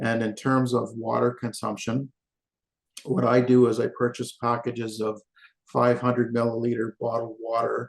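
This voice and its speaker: At a moderate pace, a man speaks with a Canadian prairie accent. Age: 60s. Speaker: retiree sharing wellness testimonial. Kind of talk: prepared talk on a video call. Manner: halting, many fillers.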